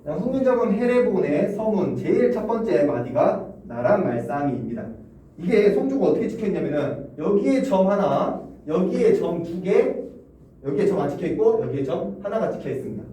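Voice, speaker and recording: A man's voice: high voice, sing-song, moderate pace, dark tone. A male Korean language teacher giving a classroom lecture, asking students questions and chuckling often. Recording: roomy classroom echo, distant mic, faint hum.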